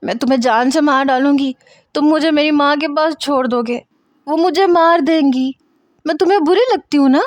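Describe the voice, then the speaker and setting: Brief: woman playing a tearful, childlike young wife, high and pleading, storybook reading. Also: dark tone, no echo, close to an everyday voice. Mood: frantic. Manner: pleading, crying.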